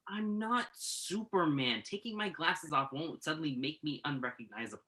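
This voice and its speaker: A man's voice: a little high, expressive, moderate pace, sharp tone. A man playing an exasperated, principled young journalist in a staged play reading, protesting with wry sarcasm in natural dialogue.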